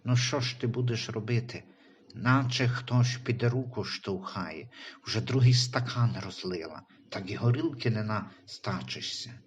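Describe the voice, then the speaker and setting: A man's voice: lowish voice, measured pace, highs cut off, a little hiss or hum, lightly acted. A man voicing a desperate, selfish young mother in a Christian audio story, talking in a plaintive, self-justifying way. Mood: grumbling.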